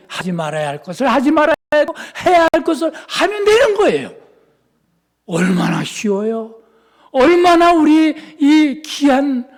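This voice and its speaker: A man from Seoul preaching a sermon as pastor, moving between fervent shouting and hushed, soft-spoken asides. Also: extremely high pitch. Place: church sanctuary. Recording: long reverb in a church sanctuary.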